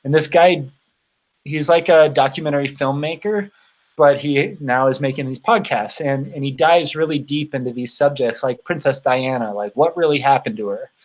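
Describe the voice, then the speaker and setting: A man in his thirties hosts a casual livestream in a medium-pitched voice. He talks informally and rambles, often halting to find his thought. His voice is tiring from long use. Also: poor audio. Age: 30s. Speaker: host of a bicycle touring channel.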